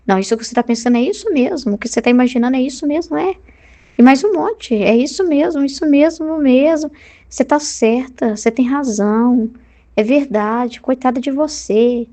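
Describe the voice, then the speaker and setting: A woman with a Brazilian Portuguese accent voicing the demon as a flattering inner voice that agrees with the listener's ego. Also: high-pitched, normal speed. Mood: coaxing. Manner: coaxing, ego-massaging agreement.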